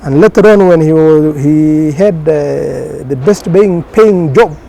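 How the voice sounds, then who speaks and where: Taking it slowly, this journalist guest speaks with a fairly high, mellow voice touched by vocal fry, and the recording is rough. He's Kenyan, grew up in Garissa, and his first language is Somali. Casually interviewed about his career, he uses many fillers and keeps restarting.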